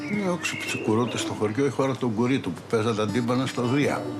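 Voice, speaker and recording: A man's voice sits at a medium pitch, with music playing behind him. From Crete, Greece. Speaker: musician, lyre player. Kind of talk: interview answer.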